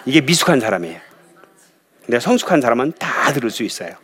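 Lively male preacher. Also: mid-range voice, fast talker, husky. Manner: lively storytelling, acts out voices, asks the audience questions. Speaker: pastor. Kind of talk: sermon.

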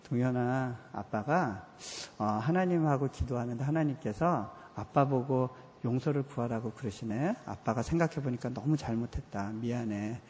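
A man's voice: mid-range voice, moderate pace, hardly any pauses, a little mellow, slight background noise. A man, a missionary, preaching a sermon and telling a personal story in a heartfelt, earnest way. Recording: reverberant hall.

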